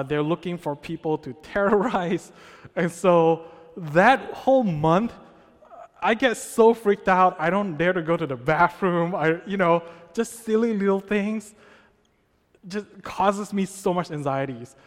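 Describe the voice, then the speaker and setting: A young man from Malaysia preaching in a church in a casual, conversational way, checking in with the congregation often. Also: fairly high pitch. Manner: conversational, with many fillers and check-ins. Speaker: pastor. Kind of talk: sermon. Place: church sanctuary. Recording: long hall reverb.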